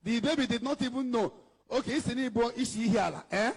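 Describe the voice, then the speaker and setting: A man with a Nigerian English accent preaches with a strikingly high voice, scolding and emphatic, repeating his points. His words ring out through a large hall with a long, lingering echo. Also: fast, gravelly, slightly rough. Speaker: evangelist. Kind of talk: preaching to a congregation, switching between English and Igbo. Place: church hall with an altar.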